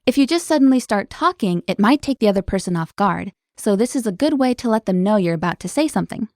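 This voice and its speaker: A woman hosting a language lesson, explaining words clearly in an upbeat, scripted way. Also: medium pitch, lively intonation, quick pace, darkish tone, no echo, studio quality.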